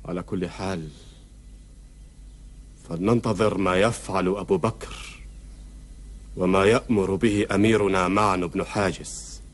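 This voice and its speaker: An actor playing a steadfast, principled middle-aged tribal chieftain in a historical epic drama, admonishing firmly in declamatory formal Arabic. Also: male voice, deep voice, fairly even intonation, unhurried, long pauses. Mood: measured.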